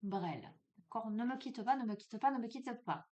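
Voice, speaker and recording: A woman giving a casual oracle card reading, chatting with many fillers and laughs and slowing down when she reads the card texts aloud. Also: a little high, lively intonation, warm tone. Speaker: tarot and oracle card reader.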